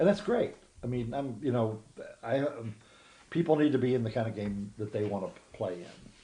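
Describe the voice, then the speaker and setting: Somewhat breathy and dark, mellow in tone, a man speaks with lively intonation and long, frequent pauses. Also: medium pitch for a man, moderate pace. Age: 60s. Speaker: longtime tabletop gamer. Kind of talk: casual chat.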